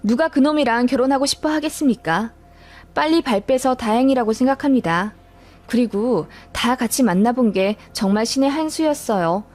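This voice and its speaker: A woman narrating a scripted radio-style story in an expressive way, acting out her own lines of dialogue. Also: fairly high pitch, normal speed, soft background music.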